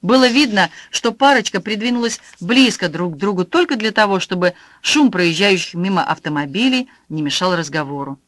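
An audiobook narrator reading a novel in an even, measured way on a close mic. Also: mid-range voice, no room sound. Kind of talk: scripted narration.

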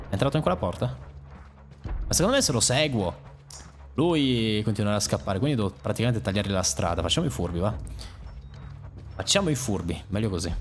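A young gaming YouTuber provides excitable let's play commentary over a game. He swears at and mocks enemies, and his voice keeps jumping into sudden high yelps.

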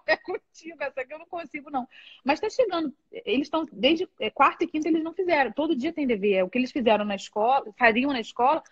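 A woman's voice: high voice, dry recording, highs cut off. A Brazilian woman, a guest on a live video chat, talking candidly and expressively with frequent laughs. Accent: Brazilian Portuguese.

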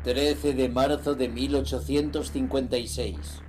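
Man playing pompous mellow-voiced occultist. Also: mid-range voice, flat delivery, a little slow, soft background music, close to an everyday voice. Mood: haughty, scornful. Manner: pompous, scornful, theatrical. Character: arrogant obsessed 19th-century occultist reciting his diary. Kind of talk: dramatic audio-drama monologue.

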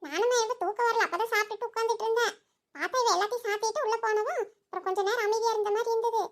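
A woman plays a nosy village neighbor in a cartoon who rattles off gossip in a very high, squeaky voice. She talks at a quick clip, pushing her story with little chuckling asides. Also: fairly even intonation. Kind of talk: cartoon voice acting.

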